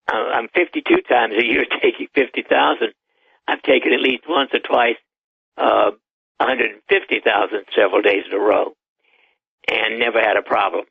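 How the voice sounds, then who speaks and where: An elderly man in his eighties speaks as a doctor giving advice, matter-of-fact and sure of himself. His voice is gravelly and husky. It comes through a tinny, dry phone line. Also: mid-range voice, no echo. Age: 80s. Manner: matter-of-fact, advisory, with chuckles. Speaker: doctor guest. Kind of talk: radio call-in interview.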